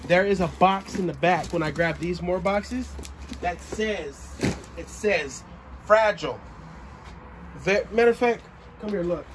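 A young man unpacks boxes in a cluttered storage room and keeps up a playful, excitable patter for his viewers. His voice sits a bit high. It is picked up on a handheld phone over steady room noise. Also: a little slow, pauses often. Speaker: storage unit vlogger. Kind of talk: casual unboxing vlog. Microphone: handheld phone camera.

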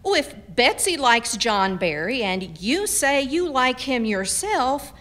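An actress playing a firm, practical frontier mother in a radio drama, with a brisk, folksy, scolding manner. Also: high voice, sing-song, fairly bright tone, exaggerated voice. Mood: pleading, exasperated.

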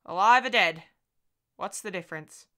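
A woman reading aloud takes on a crazed old woman in a derelict house, speaking in short clipped phrases. Her tone is brooding and unsettled and keeps pushing toward agitation. The voice is bright and cutting. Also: medium pitch, normal speed, clean tone, natural voice. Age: older.

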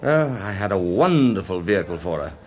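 An actor playing a chatty, wry film director in a radio drama, with an effusive, chummy manner. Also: male voice, low-pitched, very animated, a little fast.

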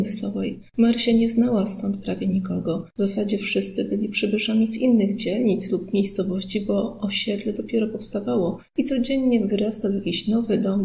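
Gravelly-voiced woman narrating an audiobook. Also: medium pitch, warm tone, a little hiss or hum, rough recording. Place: recording studio.

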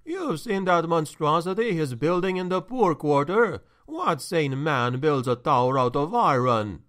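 A man's voice: on the high side, very animated, a bit bright. A man reading a story aloud, voicing an anxious male steward who talks in a shaky, pleading way. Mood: agitated. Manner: shaky, agitated, slow and pleading.

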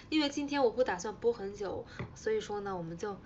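A woman's voice: medium pitch, expressive, moderate pace, muffled recording, slight background noise. A young woman hosting a casual livestream, teasing her fans playfully and repeating herself as she chats. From China. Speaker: idol livestream host.

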